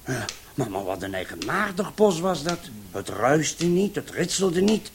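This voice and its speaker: An actor playing a naive young petty thief who rambles earnestly through a fanciful story in a Dutch radio play. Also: male voice, on the high side, big pitch swings, unhurried. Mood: wondering. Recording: hissy old radio play recording with clicks.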